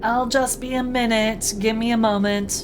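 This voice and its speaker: A put-on character voice sits at a fairly high pitch. Loud background noise runs underneath. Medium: actual play.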